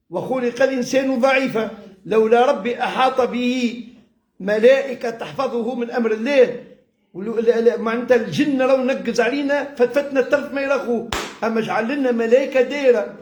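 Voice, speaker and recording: A man's voice: very high-pitched, fast, darkish tone. A man with a Tunisian accent giving an informal religious lesson, mixing classical Arabic with dialect, explaining by repetition and everyday examples. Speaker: religious teacher, sheikh. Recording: echoey room.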